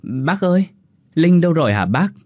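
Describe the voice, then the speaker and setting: Một người đàn ông đóng chàng thanh niên lễ độ, lúng túng trong truyện kể. Âm thanh khô. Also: male voice, a little high, sing-song, normal speed, a little mellow, dry recording, pitched above the performer's own voice. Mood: polite awkward. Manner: polite, hesitant, stammering. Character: polite awkward young man suitor.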